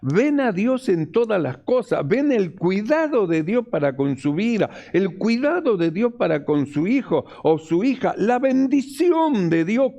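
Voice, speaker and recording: A man's voice: high voice, warm tone. A male pastor, preaching a sermon emphatically and repeating his key phrases.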